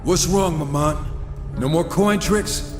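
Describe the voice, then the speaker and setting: A man's voice: on the high side, takes it slowly. An actor playing an irreverent, sardonic gunslinger horseman in a game cutscene, talking with casual, cocky sarcasm. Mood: taunting. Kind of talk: video game cutscene acting. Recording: long reverb with faint music.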